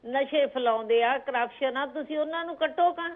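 A woman's voice: high-pitched, brisk. A woman with a Punjabi accent calling in to a show, chatting in a casual, teasing way. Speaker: phone-in caller. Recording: thin, narrow phone line.

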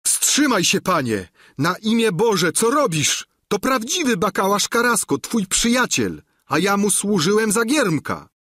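A man's voice: fairly high pitch, very animated, moderate pace, fairly bright tone, slightly rough, dry recording, studio quality, pitched above the performer's own voice, exaggerated voice. A man voicing a frantic male squire who shrieks his words urgently in an audiobook. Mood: pleading.

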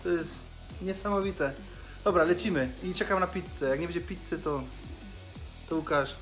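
Man, very high voice, informal vlog host, joking chat, phone at arm's length, music underneath. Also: moderate pace, a bit bright. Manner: jokey, informal. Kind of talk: casual vlog chat to camera.

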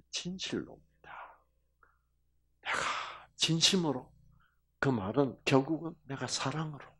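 Male lecturer, sermon delivery, lively pitch, slow deliberate pace, drops to whispers. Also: slightly rough. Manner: swings from loud emphasis to hushed whispers, jokes and laughs; slow, drawn-out emphasis. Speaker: health lecturer.

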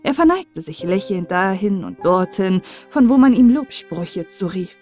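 A woman narrating a sad fairy tale as an audiobook, calm and steady for bedtime listening. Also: mid-range voice, unhurried, soft background music.

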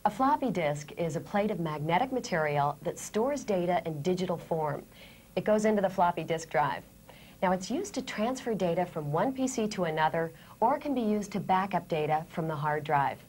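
An American woman in her thirties presenting a scripted training lesson, explaining things clearly step by step. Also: on the low side, lively intonation, moderate pace, darkish tone, slight background noise. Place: indoor studio set.

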